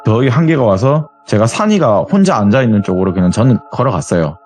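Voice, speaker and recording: A man's voice: mid-range voice, fast, faint music behind. A man telling a true story as an interview guest in a conversational way, acting out his friends' lines as he goes. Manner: animated, acts out friends' lines in quoted dialogue; self-described grumbler.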